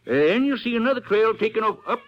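A talkative backcountry shopkeeper from a vintage western radio play. The voice is very high for a man and full of homespun phrasing. The recording is dull and lo-fi. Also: animated, fast. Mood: helpful, hesitant. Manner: folksy, colloquial rustic phrasing. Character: folksy, talkative backcountry general store keeper. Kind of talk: 1950s western radio drama acting.

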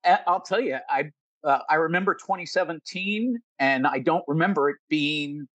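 A man's voice: a little high, moderate pace, fairly bright tone, no echo, rough recording. A man co-hosting a sports podcast, chatting in an easygoing, agreeable way. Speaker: podcast co-host. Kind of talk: casual sports podcast chat.

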